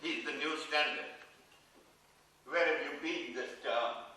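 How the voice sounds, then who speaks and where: A man's voice: on the high side, slow, bright, forceful tone. A man playing a reserved, awkward English mathematics don, hesitant and understated, in a play reading. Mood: dry enthusiasm. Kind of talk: dramatised stage play reading. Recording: echoey hall, far from mic.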